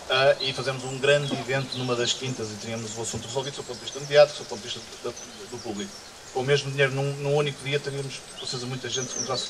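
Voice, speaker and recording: A man in his forties with a European Portuguese accent gives a public speech as festival director in an outdoor garden, speaking earnestly into a stand microphone with frequent restarts and hesitations. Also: mid-range voice. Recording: distant mic, outdoor insect and bird noise. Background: insects buzzing and birds.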